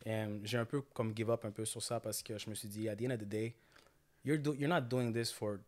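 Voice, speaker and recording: A man's voice: fairly low pitch, a little fast. A young man with a Quebec French accent, telling stories in casual chat and slipping into English. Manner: mixes French and English, animated storytelling.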